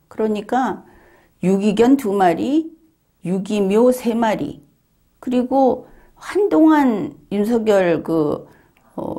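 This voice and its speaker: A woman commentator giving a solo monologue. She talks in a measured, explanatory way with frequent hesitation fillers and retells an interview exchange step by step. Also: mid-range voice, dark tone. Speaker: legal and political commentator.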